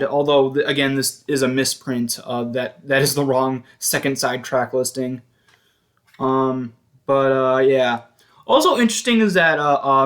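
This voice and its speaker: This man has a medium-pitched, fairly bright voice and vlogs about his music collection. He talks casually but haltingly through his show-and-tell, pausing often to fix what he just said.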